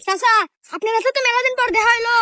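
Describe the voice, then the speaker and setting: A woman's voice: very high-pitched, fairly even intonation, very fast, crowd noise. A woman voicing a cheeky young man who courts a girl in a comedy skit. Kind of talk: comic skit dialogue.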